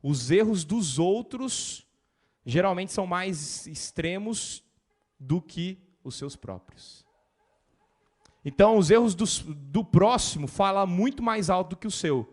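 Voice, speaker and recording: A male pastor preaching a sermon in a lively way, mimicking complaining churchgoers. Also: sits high, slow pace.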